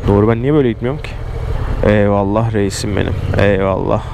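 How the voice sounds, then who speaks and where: A man's voice: on the low side, quick pace, darkish tone. A man chats casually to viewers in slangy, joking running commentary, speaking into a helmet mic while riding a motorcycle. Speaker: motorcycle vlogger. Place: outdoors on a moving motorcycle in city traffic. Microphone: close helmet microphone. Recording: clear engine, wind and traffic noise. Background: motorbike and city traffic noise.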